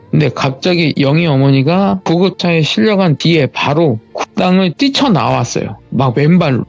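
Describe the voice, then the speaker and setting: A man's voice: fairly high pitch, vocal fry, darkish tone, no echo. A man casually retelling a true ghost story in the first person, on a dull lo-fi recording with faint music behind. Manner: plain conversational retelling.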